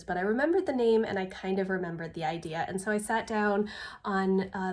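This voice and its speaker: A middle-aged woman talking casually and candidly to her vlog audience, chatty and self-deprecating about her busy day as a mom. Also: medium pitch. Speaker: homeschooling mother and vlogger.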